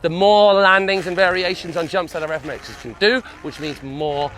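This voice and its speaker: A man's voice: high-pitched, normal speed. A man presenting a motorsport show to camera in an upbeat, showy way. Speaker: event presenter.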